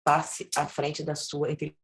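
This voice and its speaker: A woman's voice: low-pitched, completely flat delivery, normal speed. A woman in an online study group, speaking over a video call whose audio keeps breaking up. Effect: choppy, breaking-up video call audio.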